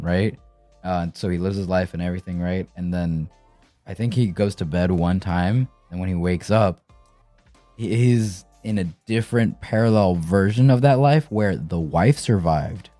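A man's voice: low-pitched, warm tone, no echo. A man chatting casually as a podcast co-host, conversational and often checking that listeners follow. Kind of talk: casual chat.

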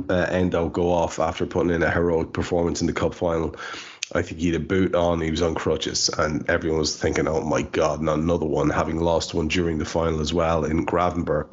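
A man with a low, breathy-edged voice hosts a casual podcast chat, leading the discussion and putting questions to his co-hosts. The podcast audio is dull and lo-fi.

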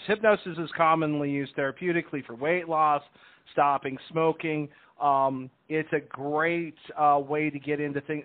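A man with a somewhat high-pitched voice talks through a narrow, phone-like connection. He is a chatty interview guest who explains casually, repeating words and restarting as he goes. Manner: talkative, explanatory, with repeated words and false starts. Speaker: stage hypnotist, interview guest. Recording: tinny phone-like line.

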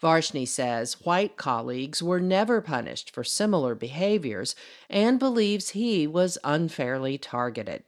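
A woman reporting for radio news, reading her script in a crisp, steady voice. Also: low-pitched, measured pace.

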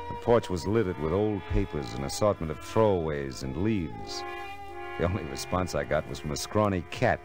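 An actor playing a hard-boiled, wisecracking private eye in old radio detective drama, wry and laconic as he narrates and needles people. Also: deep voice. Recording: old radio recording with music underscore.

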